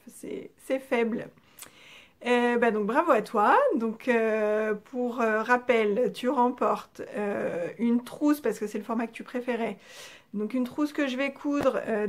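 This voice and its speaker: A woman from France hosting her knitting vlog, chatting casually with many hesitations, speaking from home. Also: on the high side. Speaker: knitting channel host.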